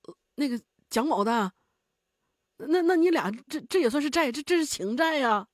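This is a storytelling voice for a frightened working man, acted by a female narrator. He stutters and rushes his pleas. His voice jumps around a lot, and the recording is close and dry. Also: high voice, big pitch swings, dry recording. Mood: panicked. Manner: stammering, rushed, pleading. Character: panicky stammering man, frightened worker.

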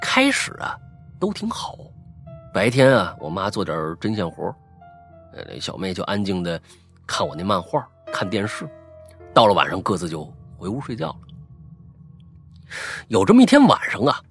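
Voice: low-pitched, huge pitch swings, moderate pace, vocal fry, long pauses, soft background music. A storyteller narrating a ghost story dramatically, often stammering and repeating words for suspense.

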